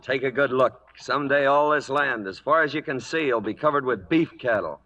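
A man's voice: mid-range voice, brisk, bright, forceful tone, dull audio. An American actor playing a tough, stubborn cattleman with a terse, authoritative manner in a radio western. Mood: commanding. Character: stubborn, commanding frontier cattleman, tough grown man. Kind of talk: 1940s-1950s radio western acting. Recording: old radio recording, faint music.

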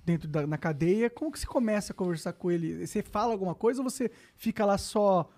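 A man in his thirties hosting a casual conversation, asking slangy, relaxed questions. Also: high-pitched, quick pace. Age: 30s. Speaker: host.

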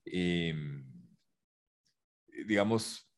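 A man's voice: sits low, extremely slow. A man interviewing a footballer, asking long, rambling questions full of fillers. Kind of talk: conversational interview.

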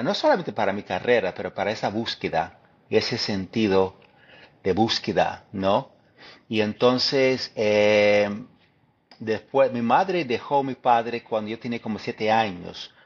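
A man from Detroit with an American English accent, a guest speaking Spanish as a second language, pausing and restarting often as he recounts. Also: on the low side, lo-fi sound. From Detroit, United States. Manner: thoughtful, halting, many fillers and restarts. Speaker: guest historian. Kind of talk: interview conversation.

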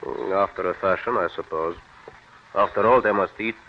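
Dismissive lieutenant, lowish voice, faint hiss, muffled old radio sound. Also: male voice, normal speed. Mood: brisk. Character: Russian army lieutenant, interpreter. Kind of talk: 1940s radio acting.

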